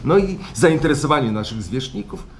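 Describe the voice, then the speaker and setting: Radio play: self-important director, higher-voiced, stammering officialese, noisy live recording. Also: male voice, lively intonation, brisk, reverberant. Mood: officious. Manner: hemming, officious speechmaking. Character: pompous, evasive male company director. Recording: live stage recording with background noise.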